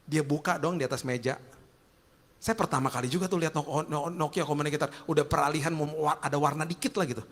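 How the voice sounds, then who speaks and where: A middle-aged man with a Jakarta accent, telling lively, joking stories in a sermon. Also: fairly high pitch, fast talker. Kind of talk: storytelling sermon. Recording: long hall reverb.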